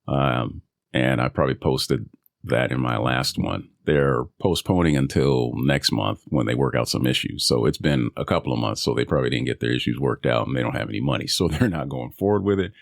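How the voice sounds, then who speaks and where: A voice actor talking casually and loosely about auditions and coaching, with self-amused laughs. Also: male voice, rumbling low, brisk, vocal fry, dry recording, clean studio sound. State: recovering from a cold. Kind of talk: casual solo vlog. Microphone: studio microphone.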